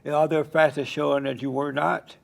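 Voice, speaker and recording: A man's voice: on the high side, level tone, brisk, gravelly. A man hosting a talk show interview, pressing his guest with blunt, leading questions.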